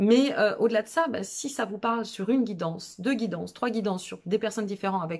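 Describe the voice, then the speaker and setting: Her voice is somewhat breathy, with ordinary pitch variation. The woman keeps a fairly quick pace. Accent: Burgundy. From Burgundy, France. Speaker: tarot reader and spiritual guide. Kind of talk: casual monthly update to viewers. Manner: chatty, hesitant with many fillers.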